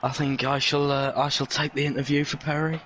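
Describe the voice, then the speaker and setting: A man's voice: on the high side, little pitch movement, fairly quick, a bit bright, a little hiss or hum. Teasing male co-commentator. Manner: teasing, jokey banter. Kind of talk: live race commentary.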